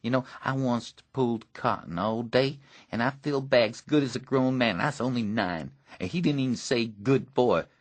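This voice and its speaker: A man's voice: medium pitch, moderate pace, dry recording, pitched above the performer's own voice, natural voice. A man voicing a neglected, bitter rural teenage boy with a blunt, grim drawl.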